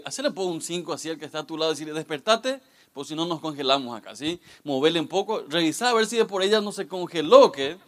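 A man in his thirties, a guest pastor, giving a lively, joking youth sermon straight to the audience. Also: mid-range voice. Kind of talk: youth sermon with humorous stories.

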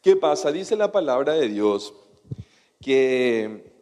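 A man's voice: mid-range voice, sing-song, takes it slowly, dark tone, long reverb tail. A man preaching a sermon in a conversational way, often checking in with his listeners. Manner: conversational, keeps checking in with the audience.

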